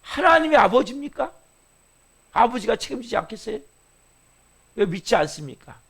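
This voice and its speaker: A male pastor preaching an early-morning sermon, firing rhetorical questions at the congregation and swinging between loud emphasis and soft asides. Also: extremely high pitch, sing-song, moderate pace, creaky, husky.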